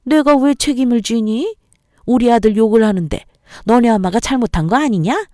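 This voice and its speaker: Brief: woman voicing a bullying older mother-in-law, harsh and insulting, mellow tone, dry read for a storybook narration. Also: fairly high pitch, normal speed, dry recording, voice pushed up, close to an everyday voice. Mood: scolding.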